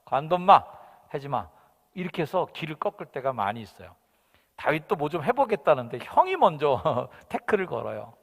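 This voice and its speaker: A male pastor preaching a Sunday sermon, emphatic, swinging between forceful shouts and soft asides. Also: fairly high pitch, huge pitch swings, a little fast, creaky. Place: church sanctuary. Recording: long hall reverb.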